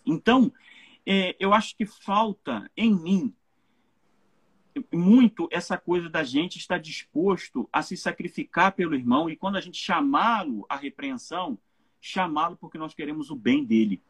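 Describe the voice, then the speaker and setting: A man's voice: on the high side, lively intonation, moderate pace, husky. A Brazilian man, a pastor, speaking earnestly in a live church talk and often checking in with his listeners. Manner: earnest, keeps checking in with "né?" and "entende?".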